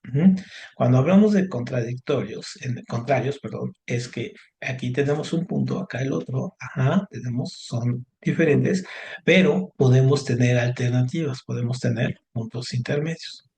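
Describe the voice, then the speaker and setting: A man's voice: medium pitch, moderate pace, vocal fry, darkish tone. A man teaching a class, explaining patiently and checking in with the students. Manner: explanatory, frequent tag questions and fillers. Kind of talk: online class lesson.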